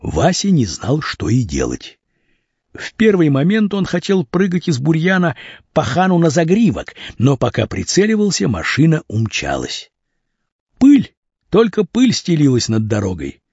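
Male audiobook narrator, animated, husky, dull dry recording. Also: on the high side, unhurried, no room sound. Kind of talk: expressive storybook reading.

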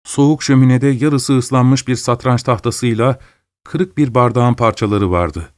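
A man narrating a suspenseful story aloud at a measured, steady storytelling pace. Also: mid-range voice, no echo, clean studio sound.

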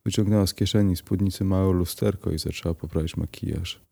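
A man narrating a crime story aloud in a calm, even reading voice. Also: low-pitched, brisk, vocal fry. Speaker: audiobook narrator.

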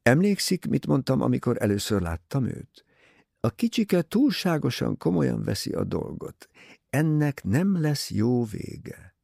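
A male reader voicing a shrewd, calm older male detective in an audiobook, speaking in measured, sententious remarks. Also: medium pitch, creaky, breathy edge, no echo, clean studio sound, pitched above the performer's own voice, exaggerated voice.

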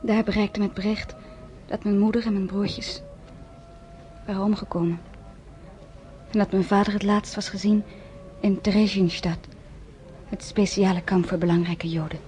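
An actress playing a young Jewish woman survivor who narrates her own story in a radio play, softly and often close to a whisper. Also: medium pitch, steady tone, normal speed, pauses often, soft background music, natural voice. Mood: subdued, grave. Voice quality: soft-spoken, often near a whisper.

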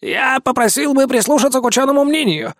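A man voicing a pompous learned male white rat, shrill and self-important. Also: fast, dry recording, studio quality. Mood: indignant.

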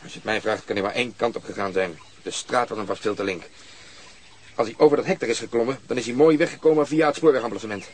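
A man's voice: mid-range voice, fast, slightly rough, lightly acted. An actor in a Dutch radio drama playing a blunt, sardonic male police detective with a dry, sarcastic delivery. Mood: brisk.

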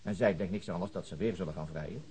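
Low-voiced, earnest police chief inspector, played by a man. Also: quick pace, a little mellow, close to an everyday voice. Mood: reflective. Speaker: actor in a radio crime drama. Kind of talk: naturalistic radio drama dialogue.

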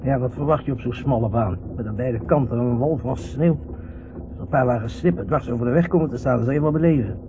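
An actor playing a stubborn, grumbling husband at the wheel who insists he is calm, in a Dutch radio play. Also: medium pitch, quick pace, close to an everyday voice. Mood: dry complaining. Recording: muffled, noisy old radio recording.

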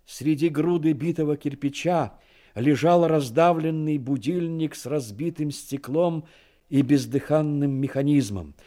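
A man narrating a Soviet war radio drama in a dramatic, measured literary storytelling manner. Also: fairly high pitch, warm tone.

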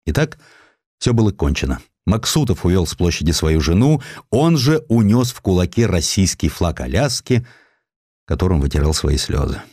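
A man reads history as dramatic audiobook narration. His voice is low and highly varied in melody, with deliberate theatrical pauses and a dry, close studio sound. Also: sing-song, a little mellow, no echo.

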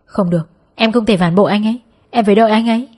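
A woman voicing a frightened pregnant young woman who murmurs softly and wistfully. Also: mid-range voice, rapid-fire, breathy edge, lightly acted.

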